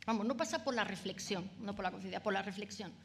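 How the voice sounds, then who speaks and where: A woman's voice: medium pitch, quick pace, a little hiss or hum. A woman with a Peninsular Spanish accent giving an academic lecture, explaining step by step and checking in with frequent tag questions and fillers. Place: lecture room with audience.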